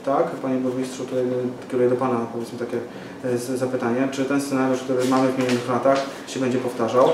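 In a small office with a window, a local party activist in his forties reads a press statement in a fast, monotone, mid-range voice, stumbling with fillers and restarts. The camera mic sits far away, so the audio is noisy and echoes.

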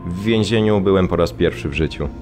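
An actor playing a sombre former political prisoner, recalling his past in a measured, reflective radio drama monologue. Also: deep voice, a little mellow, faint music behind, close to an everyday voice. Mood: grave, reflective.

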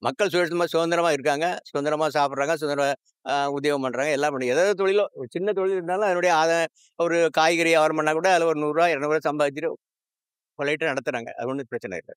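An older man answering a street interviewer on a covered footbridge, pausing and searching for words. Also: on the high side, clean tone, dry recording, studio quality. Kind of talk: street vox pop answers. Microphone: handheld interviewer mic.

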